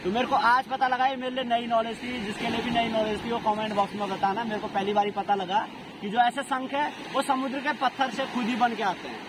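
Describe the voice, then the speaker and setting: A man vlogging outdoors by the sea and in a coconut grove, chatting excitedly to his viewers in a casual way and calling them brother. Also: very high voice, brisk. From Indian hill region. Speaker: travel vlogger. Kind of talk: casual vlog narration to camera. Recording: noisy outdoor camera audio.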